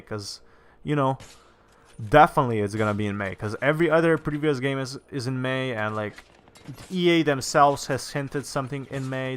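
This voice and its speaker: Young male streamer from Slovenia, mid-pitched, loose and rambling, heavy on fillers, easy chat with viewers. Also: fairly bright tone. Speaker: gaming streamer. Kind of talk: casual livestream chat, answering viewer comments.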